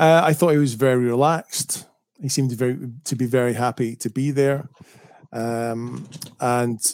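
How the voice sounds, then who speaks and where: Here a man speaks at medium pitch. His intonation stays fairly even. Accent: Scottish. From Scotland. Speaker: author. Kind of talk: casual chat.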